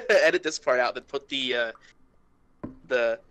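A man's voice: mid-range voice, unhurried, a bit bright, a little hiss or hum. A man making casual, joking asides during an amateur comic reading.

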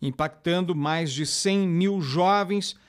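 A male reporter reading a scripted local news report in a measured, formal way. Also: sits high.

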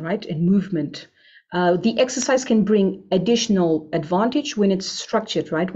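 A woman's voice: mid-range voice, dark tone, husky. A middle-aged woman from Portugal with a Portuguese accent, explaining informally as a webinar therapist and often checking in with her listeners. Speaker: physiotherapist presenting a webinar. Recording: dull, lo-fi web call audio.

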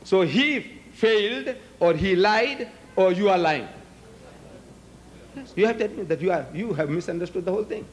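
A man's voice: high-pitched, normal speed. An older man whose first language is Gujarati, arguing emphatically at a podium in a large hall, firing rhetorical questions at the audience. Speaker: debater. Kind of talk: public debate speech. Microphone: podium microphones.

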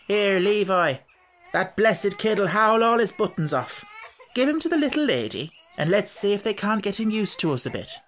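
Brief: reader playing a high, wheedling gypsy woman, folksy and coaxing. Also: very animated, normal speed, a bit bright. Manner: coaxing, common speech.

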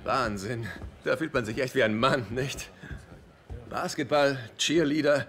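Actor as a smug sitcom schemer, noisy recording. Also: male voice, medium pitch, a little slow, natural voice. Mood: jokey, smug. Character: needy, smug freeloading middle-aged man, sitcom schemer. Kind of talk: German-dubbed sitcom acting. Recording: loud noise with clicks.

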